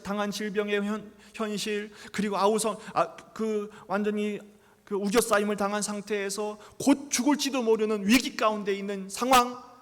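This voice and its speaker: Male pastor, high voice, live sermon, whispers to near-shouts, church hall reverb. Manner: dramatic, swings from hushed whispers to loud outbursts; acts out quoted voices. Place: church sanctuary.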